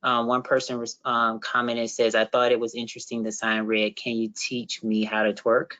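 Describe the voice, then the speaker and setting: A man co-facilitating an online workshop, reading out participant comments in a steady way with many fillers. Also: mid-range voice, normal speed, highs cut off.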